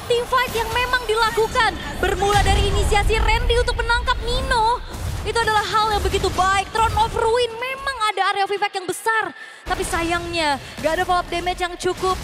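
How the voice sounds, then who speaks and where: A woman's voice: very high voice, steady tone, fairly quick, over a noisy crowd. A woman with an Indonesian accent giving analytical esports commentary. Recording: loud music behind the voice. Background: loud music.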